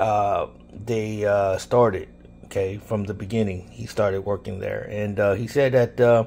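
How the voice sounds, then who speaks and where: In a dark, mellow tone, a man speaks fairly slowly with a fairly low pitch. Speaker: home product reviewer. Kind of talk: casual review talk. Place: kitchen.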